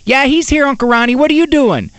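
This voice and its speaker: A man's voice: very high-pitched, fast talker, fairly bright tone, dry recording, pitched above the performer's own voice. A man voicing a chatty, eager seven-year-old girl who rambles on in a breathless sing-song.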